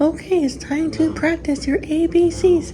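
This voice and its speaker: A put-on character voice, high in pitch, over clear background noise. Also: moderate pace. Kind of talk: instructional. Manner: exaggerated, sing-song teacher voice.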